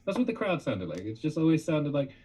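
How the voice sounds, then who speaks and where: A man tells easygoing stories on a live online chat. His voice is husky and a little breathy, and his pitch swings about a lot as he talks. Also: huge pitch swings, fast, darkish tone. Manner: laid-back anecdotal storytelling, laughs easily. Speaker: band member on a live hangout. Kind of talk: casual livestream chat.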